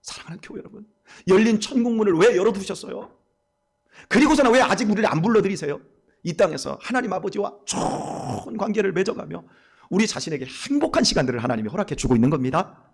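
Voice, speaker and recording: A middle-aged male pastor delivers a dawn sermon with a high, buoyant voice. He talks quickly and swings his pitch widely, telling stories with dialogue in a lowered voice, in a church sanctuary. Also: creaky. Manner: animated storytelling, acting out dialogue in lowered voices.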